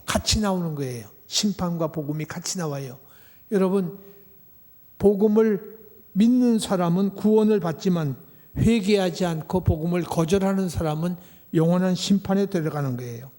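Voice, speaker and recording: A mellow, warm-voiced man preaches a sermon, his pitch sitting a little on the high side. He keeps turning to his listeners with rhetorical questions. The sound carries a long church-hall reverb. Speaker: pastor. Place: church sanctuary.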